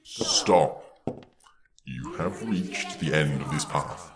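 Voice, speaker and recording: An actor playing a solemn otherworldly gatekeeper who speaks in grave, formal pronouncements. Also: male voice, a bass voice, animated, very slow, crowd noise, heavily acted.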